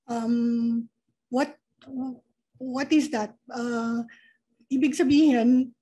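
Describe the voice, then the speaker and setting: A woman speaking as an early childhood education expert, calmly explaining with rhetorical questions and mixing Tagalog and English. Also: on the high side, extremely slow, husky, poor audio. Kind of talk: explanatory interview talk.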